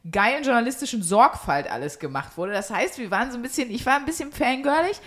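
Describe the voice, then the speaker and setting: Woman podcast host, voice a bit high, chatty and jokey, slangy w english bits, home recording. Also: lively intonation, quick pace. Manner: informal, jokey, slangy with English words mixed in. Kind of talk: casual chat.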